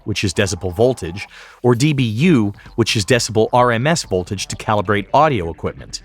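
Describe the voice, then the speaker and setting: A man presenting a tutorial in scripted, explanatory narration, enunciating each term clearly. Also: on the low side.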